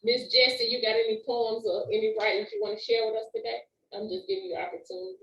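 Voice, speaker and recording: A woman's voice: a little high, vocal fry, fairly bright tone, lo-fi sound. Lady running a writing class, encouraging and easygoing, recorded far off in a roomy space. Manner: encouraging, informal, reads slowly and deliberately. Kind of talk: casual teaching, reading a poem aloud. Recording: roomy room, mic at a distance.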